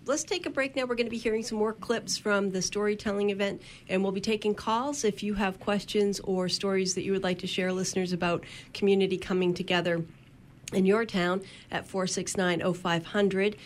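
A woman's voice: medium pitch, fairly even intonation, fairly quick, a little hiss or hum. A woman hosting a radio talk show, introducing guests and taking calls in a conversational way. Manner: conversational, with some fillers. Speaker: radio host. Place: radio studio.

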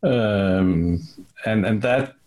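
A man's voice: lowish voice, very slow. Middle-aged man with a Danish accent. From Denmark. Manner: relaxed, thoughtful, with fillers and repeats. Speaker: guest, author and software business partner. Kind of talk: casual interview answers.

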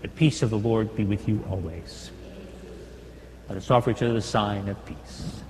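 A male priest reciting the Mass prayers in a large church, in a measured, solemn way. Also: on the low side, a little mellow. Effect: cathedral echo, long reverb. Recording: long cathedral reverb with a faint hum.

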